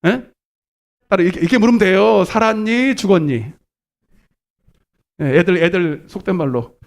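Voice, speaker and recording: Animated male pastor preaching live. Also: high-pitched, fast, vocal fry. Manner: animated preaching, calls congregation to repeat, swings from shouts to murmurs. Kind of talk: live sermon. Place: church sanctuary.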